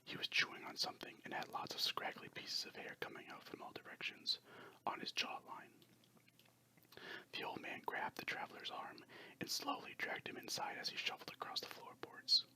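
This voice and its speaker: Someone narrating a story in a breathy, unvoiced ASMR whisper, hushed and scripted. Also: moderate pace.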